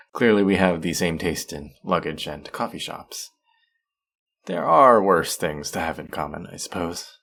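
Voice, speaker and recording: Man acting a deep, gravelly, easygoing young guy. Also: a bit bright, full character voice. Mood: warm, polite. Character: friendly, teasing, bashful young male traveler. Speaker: voice actor in an audio roleplay. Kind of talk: intimate one-sided roleplay acting, conversational.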